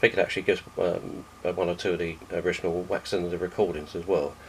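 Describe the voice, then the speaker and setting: At a fairly quick pace, a man speaks in a very deep, low pitch. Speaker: record collector. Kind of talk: casual talk to camera.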